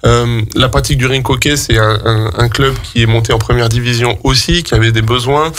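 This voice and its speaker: A man with a French accent speaks as a guest in a radio interview. He explains practical matters step by step, halting and hesitating as he searches for words. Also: mid-range voice, fairly even intonation, a bit bright, a little hiss or hum. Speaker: guest, public sports facilities staff.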